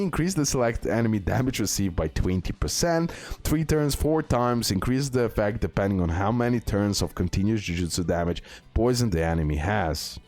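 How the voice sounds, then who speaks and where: A man's voice: fairly low pitch, a little mellow. A man hosting a gaming video with casual, unscripted commentary, often repeating himself and checking in with the viewer. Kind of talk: casual unscripted game tier-list commentary. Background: music.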